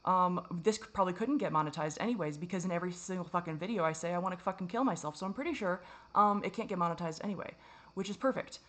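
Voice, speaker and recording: Woman vlogger, lowish voice, raw confessional to-camera ramble, curses a lot, trips over her own sentences. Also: quick pace, fairly bright tone. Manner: rambling, self-critical, profane, frequent restarts.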